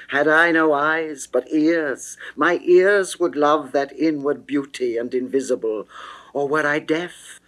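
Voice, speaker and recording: A man's voice: mid-range voice, a bit bright. A man performing an amorous, pleading goddess in dramatic classical verse, theatrical and declamatory. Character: amorous, pleading goddess Venus, grand and lovesick.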